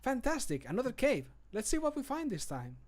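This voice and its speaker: A man's voice: extremely high pitch, huge pitch swings, a little fast, pitched above the performer's own voice, heavily acted. A man voicing a spirited adventurer companion for video game lines, with a theatrical, sardonic delivery. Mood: sarcastic cheer. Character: spirited adventurer companion exploring caves and battling.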